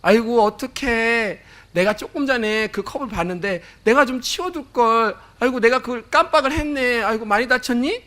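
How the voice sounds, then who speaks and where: A man voicing a gentle, worried middle-aged mother who fusses over her hurt child. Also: extremely high pitch, normal speed, voice pushed up. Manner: fretful, soft and caring.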